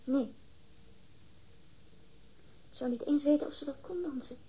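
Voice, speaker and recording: A woman's voice: sits high, unhurried. An actress in a radio drama playing a catty, defensive woman witness, disdainful and emphatic as she gossips. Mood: curt, defensive. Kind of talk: acted radio drama dialogue. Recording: dull, muffled lo-fi radio recording.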